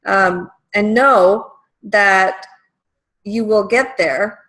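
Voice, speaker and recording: A woman's voice: medium pitch, drawn-out words, a bit bright, poor audio. A woman coach leading a group call, encouraging and talking loosely with fillers and restarts.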